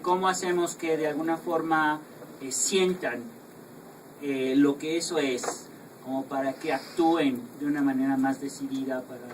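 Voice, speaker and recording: A man with a Mexican Spanish accent interpreting and summarising at a public talk, deliberate and hesitant. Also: on the high side. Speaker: interpreter and moderator. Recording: distant mic, faint noise.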